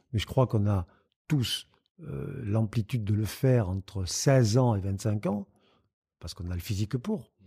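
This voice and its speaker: This man's voice is fairly low and somewhat breathy with a dark, mellow tone, marked by long, frequent pauses on a very clean recording with a silent background. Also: ordinary pitch variation, fairly slow pace. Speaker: three-star chef. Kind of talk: interview answer. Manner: energetic.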